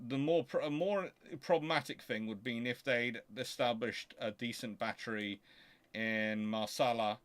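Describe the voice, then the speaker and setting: A man hosting an informal question-and-answer show, explaining things in a halting, self-correcting way. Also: lowish voice, a bit bright, smooth. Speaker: host of a naval history Q&A show.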